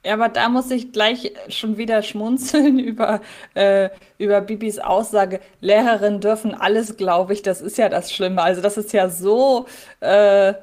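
A woman's voice: medium pitch, fairly even intonation, moderate pace, darkish tone. Hesitant woman podcast co-host thinking aloud. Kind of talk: casual podcast chat.

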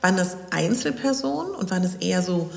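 Gravelly woman interviewer, echoey. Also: on the low side, animated, quick pace. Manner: attentive, many short backchannels, long winding questions. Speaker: coach, interview host. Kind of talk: conversational interview.

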